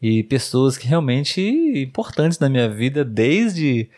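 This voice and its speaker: A Brazilian man in his thirties talks as a podcast host and language tutor. His voice sits at an average pitch, and his delivery is conversational, aimed at learners. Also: slow pace, a little mellow. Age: 30s. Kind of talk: casual chat for language learners.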